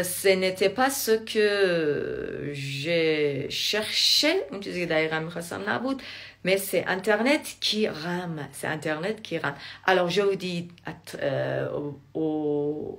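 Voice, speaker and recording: A woman teaching French in a live online lesson, repeating phrases slowly for students and explaining in quick asides. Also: fairly low pitch, animated. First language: Persian.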